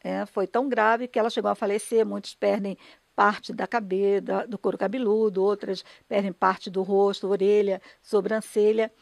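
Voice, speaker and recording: A woman's voice: medium pitch, flat delivery, moderate pace, gravelly, darkish tone, no echo. A Brazilian woman, a radio dramatist and broadcaster, explaining her work conversationally and earnestly in an interview, often checking for agreement.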